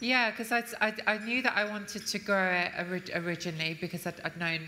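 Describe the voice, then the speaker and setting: A woman with a fairly low pitch talks at a very fast pace. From northern England, Nottingham; northern England. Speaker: journalist. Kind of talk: panel discussion on stage. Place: stage. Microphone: lapel.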